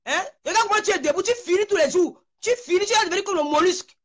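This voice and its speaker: A woman's voice: very high-pitched, racing. A woman in a heated online video rant, furious and shaking with anger, hurling insults and stammering over repeated words. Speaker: social media personality.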